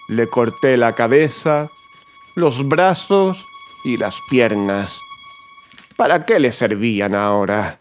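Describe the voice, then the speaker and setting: An actor playing a nervous, gleeful madman confessing to murder in a theatrical horror audiobook, with erratic swings and drawn-out emphatic words. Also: medium pitch. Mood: gloating, sinister. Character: nervous, gleeful, mad male murderer confessing his crime. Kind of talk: dramatic horror audiobook narration. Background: music.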